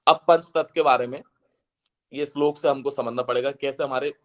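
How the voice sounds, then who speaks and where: A man giving an earnest devotional lecture to a seated audience, his voice slightly hoarse, slowing into a chant when he recites verses. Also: mid-range voice, fairly even intonation. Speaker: guest speaker.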